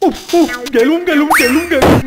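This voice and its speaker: An actor voicing a gullible, pompous middle-aged male hostel superintendent in a children's cartoon, exaggerated, with loud music behind. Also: sits high, a little fast, close to an everyday voice. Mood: wailing. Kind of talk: Bengali children's cartoon dubbing.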